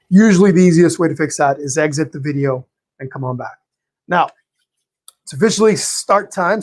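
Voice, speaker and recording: A man hosting a live painting stream, greeting viewers by name in a friendly, chatty way, his voice a little hoarse and tired, clearing his throat now and then. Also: on the high side. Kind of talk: live-stream chat and teaching.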